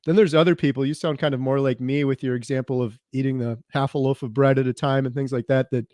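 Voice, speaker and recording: A man's voice: medium pitch, fairly even intonation, quick pace, darkish tone, no room sound, clean studio sound. A man hosting a casual interview, asking easygoing, rambling questions that build on his guest's answers. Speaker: interview host.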